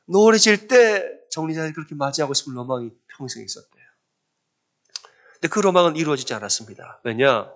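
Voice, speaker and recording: A man preaches in a church sanctuary, retelling a story and voicing its speakers with emphatic shifts in tone. His voice sits a little higher than most men's. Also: fairly bright tone. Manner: storytelling, acting out quoted speech, emphatic. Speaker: pastor. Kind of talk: sermon.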